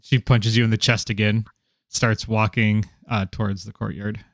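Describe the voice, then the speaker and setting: A man narrating a tabletop game as game master, halting with fillers and chuckles. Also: on the low side, level tone, dry recording, clean studio sound.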